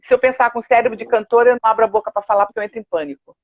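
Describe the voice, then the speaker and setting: Animated older Brazilian woman, dull audio. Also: fairly high pitch, racing, no room sound. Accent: Brazilian Portuguese. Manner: lively storyteller, animated quoted asides. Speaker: guest, opera and musical theatre singer. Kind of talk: casual interview chat. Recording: dull, dry video-call audio.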